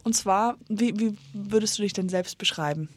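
A woman's voice: medium pitch, moderate pace, no room sound. A woman hosting a casual interview chat, talking in a jokey, irreverent way and swearing freely.

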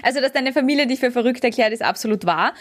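A woman's voice: on the high side, lively intonation, rapid-fire, slight background noise. A woman, co-hosting a casual chat and telling stories with playful, dry irony. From Austria. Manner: playful, dry ironic humor. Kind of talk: casual chat, storytelling game.

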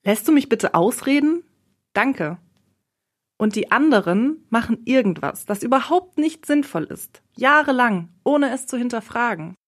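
A woman's voice: on the high side, expressive, unhurried, voice pushed up. A woman voicing a stressed, dutiful young woman in an audiobook, defensive and indignant. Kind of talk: audiobook role reading.

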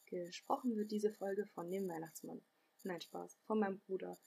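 A woman's voice: mid-range voice, steady tone, moderate pace, vocal fry, dark tone, a little hiss or hum. A woman hosting a podcast, giving a friendly episode introduction. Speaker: podcast host.

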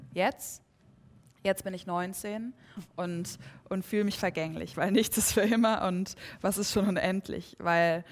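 Young woman doing a poetry slam piece, kinda low voice, earnest, slight background hiss. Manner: rhythmic, earnest recital. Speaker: poet. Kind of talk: spoken word poetry performance.

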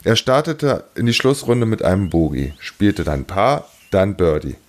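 A man's voice: low-pitched, very animated, unhurried. A man hosting a podcast, talking casually on his own and thinking aloud a little hesitantly. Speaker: podcast host. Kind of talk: casual solo podcast talk.

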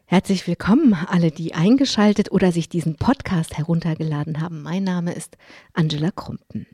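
Female interviewer, measured and deliberate, lowish mellow voice. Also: breathy edge, dry recording, clean studio sound. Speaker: podcast host. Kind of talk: interview hosting with scripted intro.

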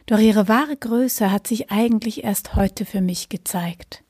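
A woman host presenting a storytelling series in calm, composed scripted speech. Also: medium pitch, unhurried, slightly rough, no echo, studio quality.

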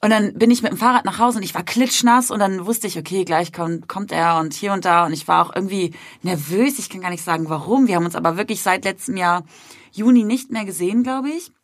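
Woman, 30s, podcast co-host. Slightly husky, dry close sound. She tells stories with quoted voices and big laughs. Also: mid-range voice, brisk, no room sound. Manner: animated storyteller, acts out quotes, laughs loudly and often. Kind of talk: casual chat, storytelling.

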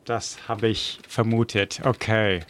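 A man playing detective in a mystery game, casually thinking aloud in a tentative, halting way. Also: fairly low pitch, little pitch movement, a bit bright. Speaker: player acting as detective.

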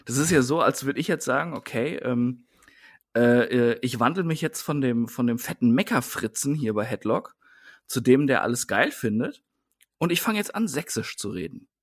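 A man's voice: mid-range voice, expressive, normal speed, breathy edge. A man co-hosting a casual wrestling podcast, ranting in an exasperated way. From Germany, Siegerland. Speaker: podcast co-host.

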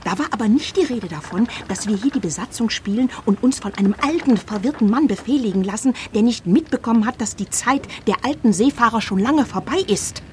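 A no-nonsense chaperone, voiced by a woman who scolds with indignant firmness. Her voice is a little high. A faint hiss lies under the radio-play recording. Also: expressive, fairly quick, hardly any pauses, natural voice. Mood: stern. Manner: strict and indignant. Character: stern female chaperone of a group of women, fed up.

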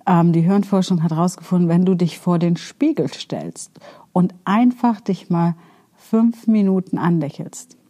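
A woman's voice: on the low side, unhurried, warm tone. A woman giving spoken coaching advice, speaking earnestly and directly to the listener, asking rhetorical questions and using many fillers. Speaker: self-improvement coach.

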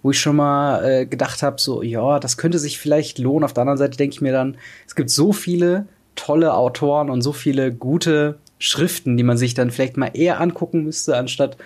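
A young man co-hosting a casual podcast, talking with many pauses and fillers. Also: medium pitch, a little mellow. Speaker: podcast co-host.

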